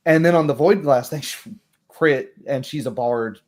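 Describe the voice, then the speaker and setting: A man's voice: medium pitch, normal speed. Man explaining tabletop game rules casually. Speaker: game master.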